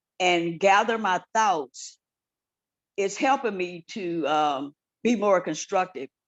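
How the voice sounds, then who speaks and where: A woman with a Texan accent, medium pitch and ordinary pitch variation, fairly slow, in dry, close sound with no echo. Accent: Texan, often taken for Louisiana. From Texas. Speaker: book club participant. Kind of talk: group discussion.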